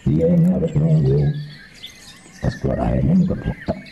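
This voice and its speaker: A man voicing a kindly old village man in a horror game, giving directions in a very deep, gravelly voice. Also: fairly even intonation, moderate pace, highs cut off, noisy background. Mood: advising.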